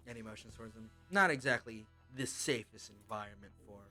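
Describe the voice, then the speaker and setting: A man playing a weary, wary local patrolman in a tabletop game, speaking haltingly with grim understatement. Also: fairly low pitch, bright, forceful tone, faint music behind. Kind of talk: tabletop game role-play.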